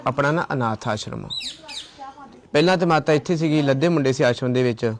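Filmed on location in a confrontational video, a man from Tarn Taran, Punjab, who looks after an ashram, speaks fairly quickly in a mid-range voice. He keeps repeating himself and quoting phone calls, with a little hiss or hum in the audio.

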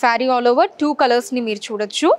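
A woman's voice: fairly high pitch, a little fast. A young woman presenting sarees in a showroom, politely listing colors, designs and prices. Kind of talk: product showcase. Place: large saree showroom, indoors.

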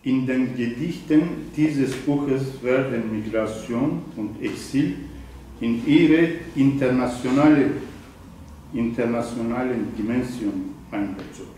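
Older man, halting German, far from the mic, faint room noise. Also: mid-range voice, warm tone, very echoey. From Eastern Anatolia. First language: Zazaki. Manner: halting, with frequent ums and self-corrections. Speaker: poet reading at a literary evening. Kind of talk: slow introduction and prepared reading. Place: wine bar event room. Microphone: far camera.

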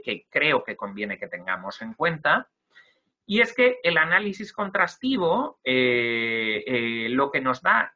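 A man's voice: medium pitch, bright, forceful tone, slightly rough. Man giving a webinar lecture on a video call. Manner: explanatory, with frequent "ujú" and "eh" fillers. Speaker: Spanish language teacher trainer. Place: indoor room. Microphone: video call webcam. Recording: dull lo-fi video call audio.

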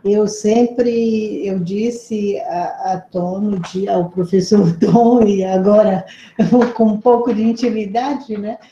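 A woman organizer giving slow, hesitant, complimentary closing remarks at an online lecture over a video call. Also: mid-range voice, fairly even intonation, warm tone, reverberant, lo-fi sound, a little hiss or hum. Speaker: event organizer.

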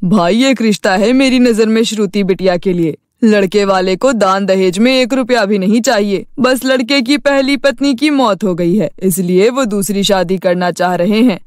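A man's voice: sits high, normal speed, hardly any pauses, dry recording, lightly acted. A plain-spoken village man in a cartoon family drama, acted by a man. He talks in a colloquial, emphatic way, recorded dry. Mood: matter-of-fact. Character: village father and matchmaker friend, plain-spoken.

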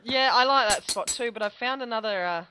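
A woman playing a game as a guest, excitable and cheering out loud. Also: a little high, a little fast, slight background noise. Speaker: guest player. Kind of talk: casual let's-play chat.

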